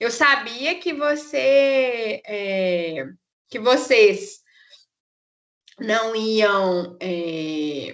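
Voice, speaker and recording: A woman talks very slowly in a fairly high, shrill voice with very wide pitch swings. Long, frequent pauses break her speech, and room echo is audible. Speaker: literature teacher. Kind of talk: online class lecture.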